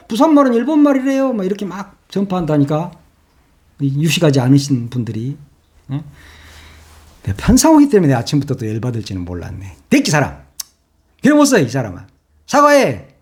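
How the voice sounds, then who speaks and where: A man's voice: sits high, slightly rough. An older man, a former broadcaster turned online commentator, ranting and scolding in sarcastic rhetorical questions.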